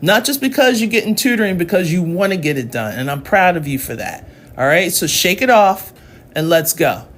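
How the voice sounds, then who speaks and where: A woman's voice: on the low side, sing-song, normal speed. A woman math tutor in her forties, chatting and teasing her live chat between lessons, talking into her phone at home. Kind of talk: casual livestream lesson.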